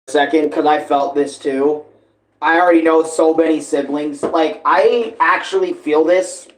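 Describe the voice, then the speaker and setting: A man with a slightly high voice hosts a casual live reaction. He talks earnestly, repeating points for emphasis and swearing freely. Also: rough recording. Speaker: reaction video host.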